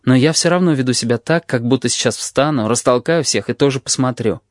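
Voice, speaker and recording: A man's voice: mid-range voice, brisk, dry recording, clean studio sound. A man narrating a novel in the first person, reading expressively. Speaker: audiobook reader.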